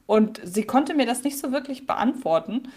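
A woman in her thirties co-hosting a podcast in casual chat, chatty and quick to laugh, with frequent fillers. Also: a little high, expressive, a little mellow, husky. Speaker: podcast co-host.

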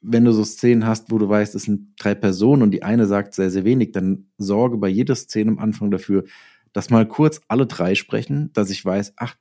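Low, mellow-voiced man. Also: normal speed. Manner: explains with hypothetical examples and acted-out quotes. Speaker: interviewed writer and audio drama maker. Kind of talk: casual interview explanation.

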